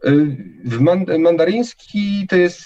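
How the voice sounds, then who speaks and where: A man's voice: high voice, lively intonation, slow pace, mellow, highs cut off. A man giving an interview, talking casually and hesitantly, often restarting his words. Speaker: interview guest.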